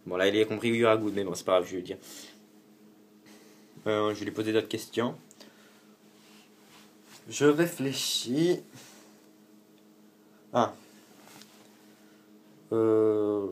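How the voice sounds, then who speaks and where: A man from France talks through a casual tech tutorial in a fairly low voice. He rambles, corrects himself mid-sentence and drops the odd swear word. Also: darkish tone. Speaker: tutorial host.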